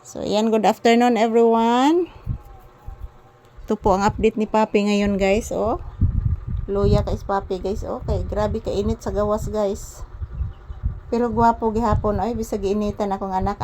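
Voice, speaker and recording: A woman's voice: mid-range voice, background noise. A woman vlogging from inside her small shop, chatting fondly to her dog and her viewers. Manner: doting, repeats "anak" to her dog. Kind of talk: casual vlog talk to pet and viewers.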